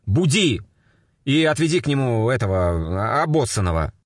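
A man's voice: mid-range voice, sing-song, normal speed, no echo, studio quality, pitched above the performer's own voice. A man voicing a fat, irritable police captain who barks orders at his men. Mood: gruff, bossy. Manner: barking orders.

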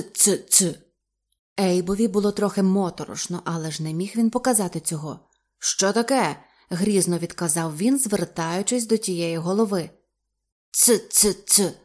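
A woman reading a novel aloud as an audiobook narrator, measured storytelling with vivid emphasis. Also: mid-range voice, dark tone.

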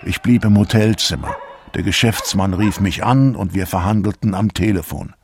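An actor playing a troubled, indignant early Christian disciple in a literary radio drama, speaking solemnly and deliberately in archaic, declamatory phrases. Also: male voice, deep voice, a little mellow, slight background noise. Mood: grave, bitter. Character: troubled, indignant early-Christian disciple writing bitterly to his revered elder.

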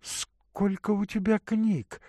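A man reading aloud and voicing a gentle, caring young woman who speaks in a soft, singsong lilt. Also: high-pitched, little pitch movement, takes it slowly, no echo, studio quality, voice pushed up. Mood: tender.

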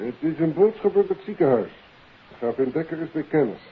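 On a narrow, hissy vintage radio recording, a brisk male police inspector. He talks fast with lively intonation, official and businesslike in 1950s radio drama style. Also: a little high, husky, full character voice.

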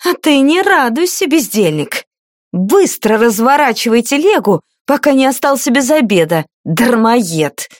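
A woman's voice: fairly high pitch, sing-song, unhurried, dry recording, studio quality, voice pushed up. A woman reading an audiobook, voicing a spiteful, haughty noblewoman who hisses and snaps at her servant. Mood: furious. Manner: hissing, snapping, haughty. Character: spiteful, shrill noblewoman, domineering mistress of a page.

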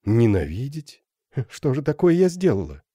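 A shy young Gypsy girl in love, as a male audiobook reader puts her on. She speaks softly and pleads, her voice lifted well above the reader's own, gentle and lively in its rise and fall, close and dry. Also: mid-range voice, normal speed, breathy edge, dry recording, voice pushed up. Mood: tender, pleading. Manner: soft, pleading, lightly raised voice.

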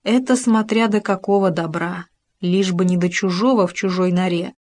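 A woman narrating a children's story in a calm, even storytelling manner. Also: fairly low pitch, normal speed. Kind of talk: audiobook story reading.

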